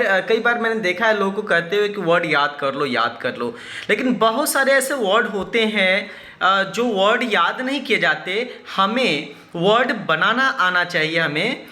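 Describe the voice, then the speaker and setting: Bright-voiced man teaching in an echoey room. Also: high-pitched. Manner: asks himself questions, then answers them; mixes English terms into Hindi speech. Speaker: English teacher. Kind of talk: explanatory grammar lesson.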